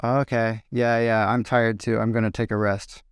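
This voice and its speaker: A man voicing a friendly adult male airplane passenger in a practice dialogue, speaking slow, clearly repeated sentences for learners. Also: on the low side, little pitch movement, dry recording, clean studio sound, natural voice. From Brazil. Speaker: role-play partner in a practice dialogue. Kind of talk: acted example dialogue for learners.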